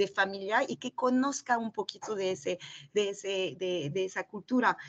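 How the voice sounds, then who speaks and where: A woman with a French accent, at a moderate pace, with ordinary pitch variation. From France, Bordeaux region. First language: French (speaking Spanish). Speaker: interior design studio co-founder. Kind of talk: interview.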